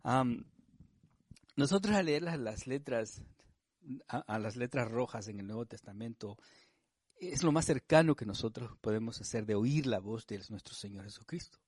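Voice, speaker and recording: A man preaching a sermon, explaining scripture in a conversational way, often tagging on questions, and reading verses slowly and with weight. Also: mid-range voice, a little mellow, no room sound, clean studio sound. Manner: conversational, frequent tag questions and fillers; reads scripture slowly and with emphasis. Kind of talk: sermon, Bible study teaching.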